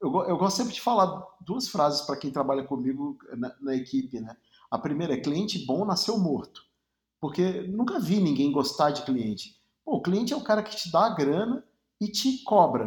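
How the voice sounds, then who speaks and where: High-pitched male speech full of very wide pitch swings. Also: moderate pace. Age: 40s. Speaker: advertising agency co-CEO. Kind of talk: casual chat. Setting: at home, remote call. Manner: halting.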